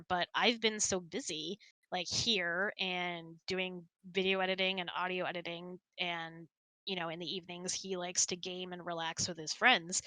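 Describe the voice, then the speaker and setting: Woman, middle-aged, lowish pitch, bright tone, candid, informal host, casual advice chat, dry sound. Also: no room sound, low-quality recording.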